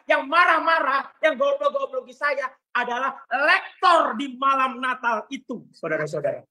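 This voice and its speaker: A male Catholic priest giving a sermon in an animated storytelling manner. He often turns to address the congregation directly and sometimes raises his voice to a shout for emphasis. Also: extremely high pitch.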